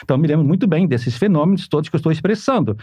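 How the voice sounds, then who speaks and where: A man's voice: on the high side, expressive, racing, dark tone, no room sound. A man from Portugal, a podcast guest, explaining Catholic parenting earnestly and repeating his points for emphasis. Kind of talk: podcast conversation.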